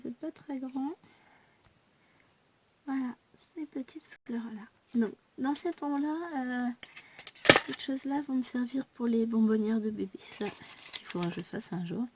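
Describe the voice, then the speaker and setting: A woman's voice: fairly high pitch, a little slow, slight background noise. A woman chatting casually through a craft shopping haul, self-mocking and exclaiming over each item.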